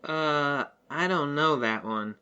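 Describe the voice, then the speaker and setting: A woman's voice: sits low, slow pace, pushed and bright, clean tone, dull audio, full character voice. A woman playing an earnest, unsure young hero on a quest, with a questioning way of talking, in audio fiction. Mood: unsure, hopeful. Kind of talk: scripted audio fiction acting.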